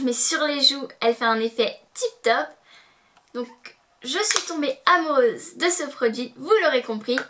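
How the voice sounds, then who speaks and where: A young woman reviewing beauty products to camera, bubbly and excitable, breaking into playful sing-song repeats. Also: high voice, background noise. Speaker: beauty vlogger.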